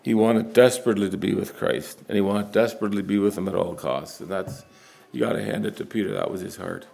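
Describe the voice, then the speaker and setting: A man's voice: lowish voice, quick pace, gravelly, darkish tone. A man preaching a conversational sermon, rising in force when he quotes scripture.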